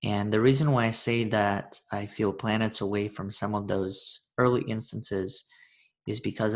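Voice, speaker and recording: On a very clean recording with a silent background, a man speaks at a moderate pace in a fairly low pitch, with fairly even intonation. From Russia, moved to US at 12. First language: Russian. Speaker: podcast host and motivational speaker. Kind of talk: interview, personal life story.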